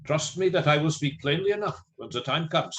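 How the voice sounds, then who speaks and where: Older Germanic professor, slightly high voice, grave, commanding, fatherly, theatrical radio drama. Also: animated, a little fast, a bit bright. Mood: fatherly, measured. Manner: stilted foreign phrasing, commanding yet fatherly.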